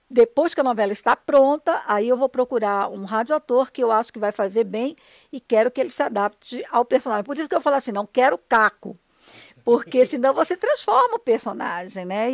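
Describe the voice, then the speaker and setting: A woman's voice: fairly high pitch, animated, fairly quick, vocal fry, no echo. An older Brazilian woman, a radio drama director, explaining her work emphatically in a conversational interview, often checking for agreement.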